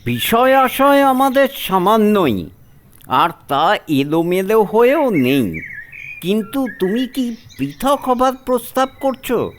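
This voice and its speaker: A man playing a principled elder brother of sixty, measured and composed, in a dramatised story. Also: high-pitched, big pitch swings, a little hiss or hum, exaggerated voice. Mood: composed, questioning. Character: dignified, principled elder brother aged sixty, retired schoolmaster. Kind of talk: dramatised audio story dialogue.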